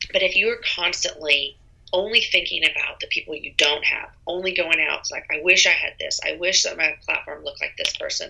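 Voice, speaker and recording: Amid noticeable background noise, a woman talks at a fairly quick pace with hardly any pauses. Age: 30s. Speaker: podcast host. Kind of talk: interview.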